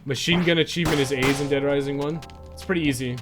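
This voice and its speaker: A man's voice: on the high side, steady tone, quick pace. Casual rambling male streamer over game music. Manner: rambling, frequently swearing. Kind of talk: casual livestream chat while playing.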